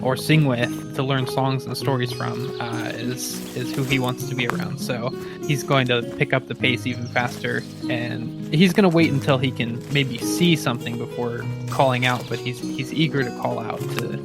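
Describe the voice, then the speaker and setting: A man playing a tabletop roleplaying game, casually improvising descriptions of his character and thinking aloud in a halting way. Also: medium pitch, fairly even intonation, vocal fry. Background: music.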